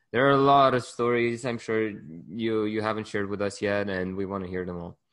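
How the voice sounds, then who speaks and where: With a Romanian accent, a man speaks at a fairly low pitch over a quiet background. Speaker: podcast co-host. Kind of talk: casual interview chat.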